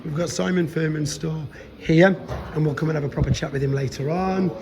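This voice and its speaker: A man's voice: on the high side, fairly even intonation, brisk, a crowd in the background. A man chatting casually as he films a walk-around vlog of a convention venue, rambling with many restarts and losing his voice. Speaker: toy vlogger.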